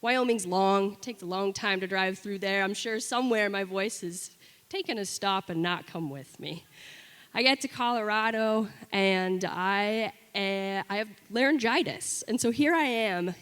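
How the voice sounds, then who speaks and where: A woman's voice: mid-range voice, unhurried, fairly bright tone, clean tone. A young woman from Washington telling a personal story on stage, conversational and wry, with small restarts. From Olympia, Washington. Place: live event venue with long reverb. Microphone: stage microphone. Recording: live hall with long reverb.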